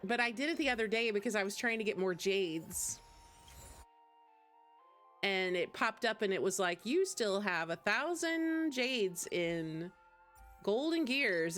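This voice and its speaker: Girl streamer just chatting while gaming, casual and informal, normal pitch, bit of game music behind. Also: fairly bright tone. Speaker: game livestream host. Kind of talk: casual chat while gaming, replying to viewers.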